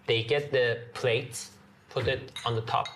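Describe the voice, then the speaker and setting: Bright-voiced middle-aged Turkish man. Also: mid-range voice, fairly even intonation, measured pace, a little hiss or hum. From Turkey. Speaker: restaurant owner interviewed for documentary. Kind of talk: casual explanatory talk.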